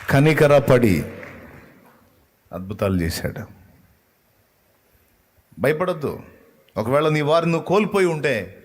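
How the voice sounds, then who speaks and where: A man's voice: a little high, very animated, measured pace, pauses often. A man preaching a sermon, retelling a story with passion, asking the listeners rhetorical questions and repeating key phrases for emphasis.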